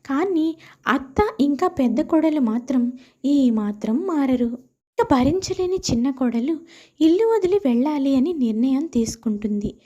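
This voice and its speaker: A woman's voice: sits high, lively intonation, measured pace, mellow. A woman narrating a scripted moral story as its storyteller, on slightly dull audio.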